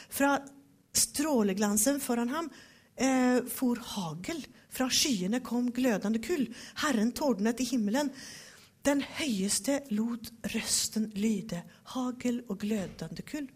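Woman, devotional Bible teaching, slow emphatic scripture reading, husky voice, fairly high pitch. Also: a little mellow. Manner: reads scripture slowly and emphatically, then talks it over.

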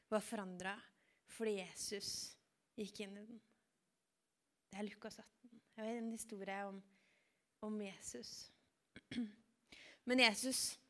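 A woman preaching, telling a Bible story in a calm, vivid storytelling manner. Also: medium pitch. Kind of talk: storytelling sermon.

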